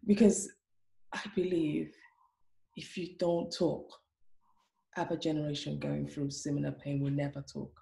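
Low, gravelly woman host in an echoey room. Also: flat delivery, dark tone. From Africa. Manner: earnest, emphatic, slows down to stress points. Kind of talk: conversational interview.

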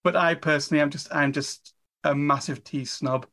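A woman's voice: sits low, fairly even intonation, normal speed, a bit bright. A woman, an author talking as a guest in a casual interview, chatty and enthusiastic with a self-deprecating streak. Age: 50s.

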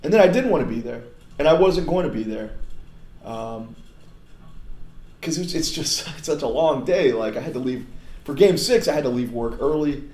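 A hoarse man who has lost his voice, hosting a casual podcast and breaking into excited whoops. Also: mid-range voice, normal speed, pauses often. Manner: excitable, bursts into loud whoops. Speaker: podcast host. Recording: echoey room with faint noise.

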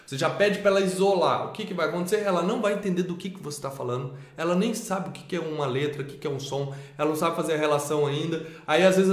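Male presenter, higher pitch, echoey room; patient step-by-step explainer. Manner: explains step by step, asks rhetorical questions. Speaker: teacher presenting a literacy method. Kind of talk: explanatory online lesson.

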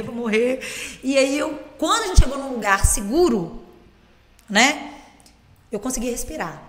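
A woman rattles off stories at high speed, her voice sitting a little high. She is animated and laughs often. The sound has a long, hall-like reverb. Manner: animated, laughing, swearing freely. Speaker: guest; teacher, football fan. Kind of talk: casual chat, storytelling.

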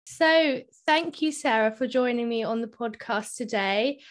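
A woman's voice: a little high, a little slow, soft background music. Friendly woman podcast host. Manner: friendly, asks long questions with fillers. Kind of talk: podcast interview.

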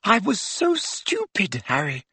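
A man voicing a distraught teenage witch who blames herself in a high-pitched, muffled, halting whisper. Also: huge pitch swings, sharp tone, slightly rough, dry recording, full character voice. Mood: ashamed, distraught. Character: distraught teenage witch, ashamed and self-blaming.

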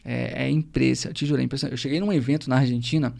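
A man, a zumba instructor guest, telling stories in a lively way and acting out dialogue. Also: mid-range voice, rapid-fire, creaky. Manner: lively, acts out quoted dialogue. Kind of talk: animated storytelling in conversation.

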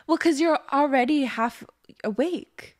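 A woman's voice: high voice, unhurried. A young woman co-hosting a podcast in casual chat, laughing often and rambling with fillers. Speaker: podcast co-host.

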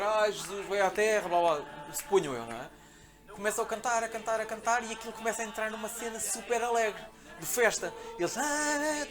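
Portuguese guest, male, rapid-fire animated storyteller with a high voice, acts out quotes. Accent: European Portuguese. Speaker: podcast guest. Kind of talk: casual storytelling.

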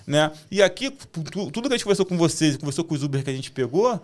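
Fast, high-voiced Rio man with slushy articulation. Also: lively intonation, darkish tone. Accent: Rio de Janeiro Portuguese. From Rio de Janeiro, Brazil. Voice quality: tongue-tied speech with imprecise, slushy articulation. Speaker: ride-hailing driver, guest. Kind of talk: casual chat, storytelling.

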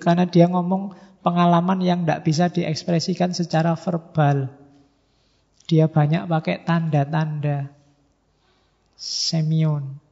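A man's voice: fairly high pitch, mellow. A man giving a classroom lecture in a conversational way, often asking rhetorical questions and acting out his students. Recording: dull, echoey hall recording.

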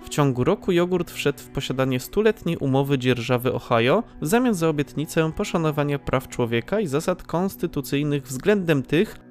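Slightly high-voiced male storyteller. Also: darkish tone. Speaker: narrator. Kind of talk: scripted audio drama narration. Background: faint music.

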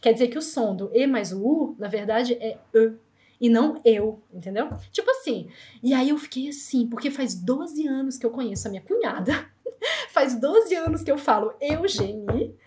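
A Brazilian woman in her thirties with a Brazilian Portuguese accent, telling lively anecdotes fast in an interview. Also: a little high. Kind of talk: casual storytelling.

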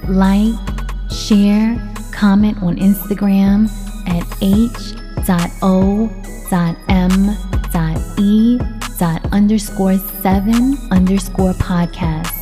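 Woman, announcer, scripted promo, slow, very mellow dark tone, faint music behind. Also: medium pitch, steady tone. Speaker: show announcer.

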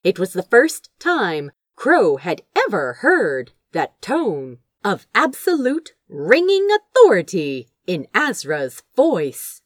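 A woman's voice: mid-range voice, takes it slowly, few pauses, dry recording, studio quality. A woman reading fiction aloud as dramatic, theatrical narration. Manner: expressive, theatrical storytelling. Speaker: audiobook reader of fan fiction.

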